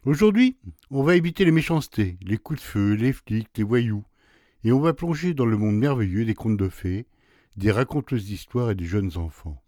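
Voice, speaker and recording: A man delivers a scripted radio introduction. His voice sits fairly low in a dry, close studio sound, and his delivery is wry and literary, with a mock-solemn edge. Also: animated, moderate pace, warm tone, no room sound. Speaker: radio presenter.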